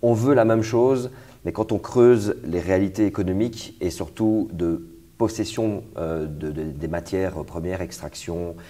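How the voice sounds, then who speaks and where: A man's voice: low-pitched, a little slow, mellow. A young man hosting an interview, talking casually with fillers and restarts. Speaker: host.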